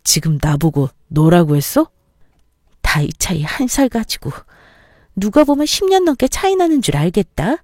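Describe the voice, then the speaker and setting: A woman's voice: medium pitch, big pitch swings, moderate pace, darkish tone, no echo, studio quality. A woman voicing an angry young husband who talks down to his wife in curt, accusing bursts, in a storybook reading. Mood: contemptuous.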